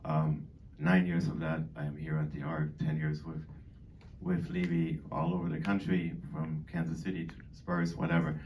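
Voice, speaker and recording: A middle-aged man from Boston, raised in Germany, talks to residents in a deep, chatty way, wandering between points with plenty of ums. He is heard from a distance from the microphone. Faint background noise fills the gaps. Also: flat delivery, moderate pace, a little mellow. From born in Boston, grew up in Germany. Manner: rambling and chatty, many fillers. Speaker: dining director. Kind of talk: informal speech to an audience. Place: community hall.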